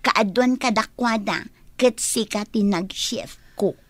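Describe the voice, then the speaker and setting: A woman's voice: mid-range voice, takes it slowly, no room sound. A young woman with an Ilocano accent, playing a chatty, teasing best friend in a radio drama. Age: young adult.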